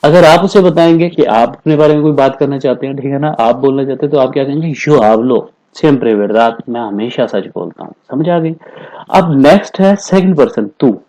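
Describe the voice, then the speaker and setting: A man teaching Spanish in a classroom-style lesson, explaining patiently, repeating phrases, and saying the Spanish examples slowly and carefully. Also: medium pitch, dark tone, poor audio. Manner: explains patiently, repeats phrases, keeps asking "theek hai na".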